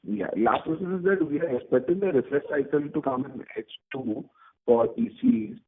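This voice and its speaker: A man's voice: on the high side, big pitch swings, moderate pace, slightly rough. A man, an analyst on a conference call, asks questions politely while his phone audio keeps breaking up and dropping out. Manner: polite, addresses others as sir and ma'am. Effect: choppy audio breaking up on a phone line. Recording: tinny, breaking-up phone line.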